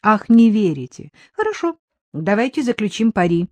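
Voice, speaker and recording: A woman's voice: mid-range voice, very animated, moderate pace, dry recording. A woman voicing a playful, self-assured male lawyer in an audiobook reading. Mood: teasing.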